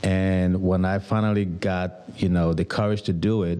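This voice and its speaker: A man with a Liberian accent speaks at a moderate pace in a very deep, low voice. His intonation is monotone and flat, with noticeable background noise behind him. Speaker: entrepreneur and photographer. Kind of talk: interview. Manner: halting, many fillers.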